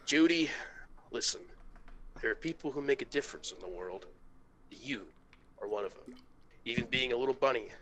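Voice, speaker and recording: A man voicing a hurt, bitter adult male fox, pleading with halting intensity in an amateur comic reading. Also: medium pitch, fairly bright tone, slight background noise, close to an everyday voice. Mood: earnest, wounded.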